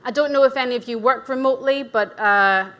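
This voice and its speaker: Woman, 40s, Scottish accent, conference talk, chatty, self-deprecating, fairly high voice. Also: brisk, dull audio. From Scotland. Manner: chatty and candid, with asides and self-deprecating humour. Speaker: nutrition practitioner giving a conference talk. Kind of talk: conference presentation. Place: event venue.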